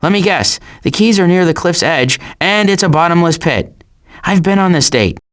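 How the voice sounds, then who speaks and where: An animated video game's wisecracking, sardonic animal adventurer is voiced by a man with a high-sitting voice at a normal pace. His humor comes through in dry sarcasm and deadpan asides.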